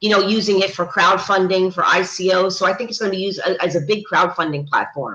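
This woman has a New York accent and fairly even intonation. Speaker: journalist and digital magazine manager. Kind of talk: casual interview chat.

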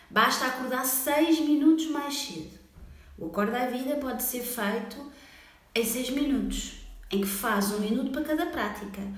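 A high-pitched woman's voice with ordinary pitch variation, audible room echo and noticeable background noise. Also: moderate pace. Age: 40s. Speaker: holistic personal trainer. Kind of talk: casual chat.

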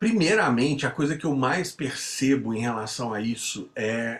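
Breathing is somewhat audible as a man speaks at a medium pitch with ordinary pitch variation and a fairly slow pace. The recording is very clean, with a silent background. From Minas Gerais, Belo Horizonte. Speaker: education specialist. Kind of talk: interview conversation.

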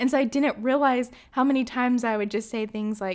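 The recording is very clean, with a silent background. A woman speaks at a fairly quick pace with ordinary pitch variation. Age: 20s. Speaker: podcast host. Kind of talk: casual chat. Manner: animated.

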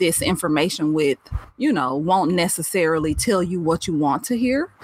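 A woman with an American accent speaks in a plain, everyday voice. Her pitch is fairly low and her pace moderate. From Texas, Dallas (Oak Cliff). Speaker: podcast co-host. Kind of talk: casual chat.

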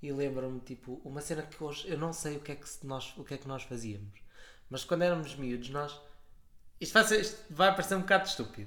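Bright and sharp in tone, a man speaks at a fairly high pitch and a fairly quick pace with ordinary pitch variation, big swings in loudness and long, frequent pauses. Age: 20s. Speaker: podcast co-host. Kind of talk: casual chat.

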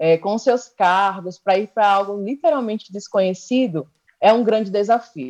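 A woman's medium-pitched voice with lively intonation at a moderate pace, in a dry, close sound with no echo. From Bahia, Brazil. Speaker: psychology student, former missionary. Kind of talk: interview testimony.

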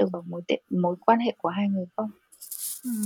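Somewhat breathy, a woman at medium pitch talks at a moderate pace with ordinary pitch variation, the sound dry and close with no echo. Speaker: author. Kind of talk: casual interview. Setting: long-distance call.

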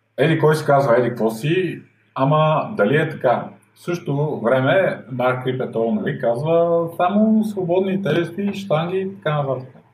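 A man speaks with a fairly high pitch and very wide pitch swings. Audible room echo surrounds his voice. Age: 30s. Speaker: fitness coach. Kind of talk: podcast interview.

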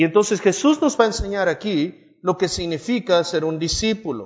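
Lively intonation runs through this man's speech. He talks at a fairly slow pace. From Mexico, San Luis Potosí. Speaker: pastor. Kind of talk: sermon.

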